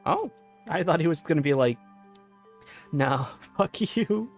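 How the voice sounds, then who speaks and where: A man's voice: a little high, lively intonation, slow pace, faint music behind. A man chatting casually as he livestreams a video game. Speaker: game streamer.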